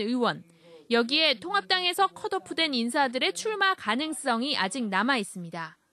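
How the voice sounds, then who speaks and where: A woman uses a raised, projected voice with very wide pitch swings at a moderate pace. The sound is dry and close, with no echo. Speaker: news reporter. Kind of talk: news reading. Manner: formal.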